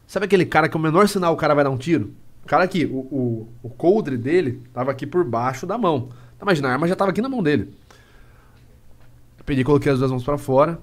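Young male podcast guest, quick, fairly high, animated storyteller. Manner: lively, acts out scenes and quotes. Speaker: podcast guest, private investigator.

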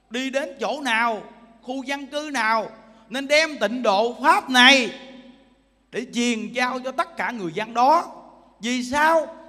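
A male monk quoting the Buddha, a calm male teacher exhorting his monks in a solemn, slow way. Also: extremely high pitch, big-room sound, exaggerated voice.

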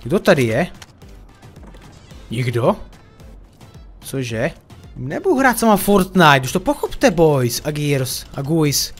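Lively, animated young-sounding man gaming. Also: on the high side, pauses often, soft background music. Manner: playful, joking, talks to viewers as friends. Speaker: gaming YouTuber. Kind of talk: casual gameplay commentary.

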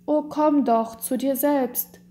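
Woman voicing a frail, tearful, high-voiced wronged wife. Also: fairly even intonation, slow, warm tone. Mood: tearful, pleading. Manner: tearful, tender, earnest pleading. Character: frail, devoted wronged wife, gentle and forgiving. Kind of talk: dramatic storybook reading.

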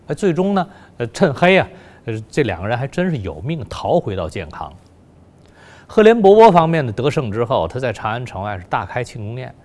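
Lively-pitched male history storyteller. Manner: colloquial, filler-heavy storytelling. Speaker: history lecturer. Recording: long hall reverb.

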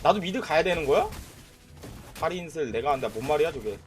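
A young man giving casual, excitable commentary over his own mobile game, trash-talking and narrating his plays. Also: on the high side, brisk. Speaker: gaming YouTuber.

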